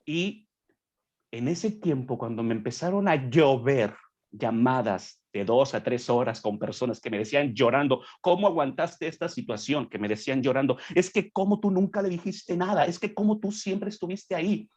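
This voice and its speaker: A young man with a husky, slightly breathy voice talks in a podcast conversation. He preaches with earnest conviction and often drops into quoted asides, acting out what other people say. His pitch sits in a middle range. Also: moderate pace, a little mellow. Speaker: guest speaker.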